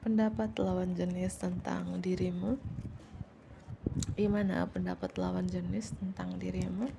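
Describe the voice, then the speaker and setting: A woman giving a casual general tarot reading in a chatty, repetitive way, sometimes dropping to soft whispers and joking playfully. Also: on the low side, flat delivery, unhurried, creaky, noisy background. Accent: Indonesian. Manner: playful, teasing jokes. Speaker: tarot reader.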